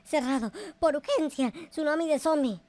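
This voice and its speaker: A man's voice: very high-pitched, normal speed, a little mellow, no echo. A man voicing a naive, panicky noob boy in an improvised Minecraft roleplay, whining and repeating words frantically. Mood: worried, muttering. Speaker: gameplay video creator.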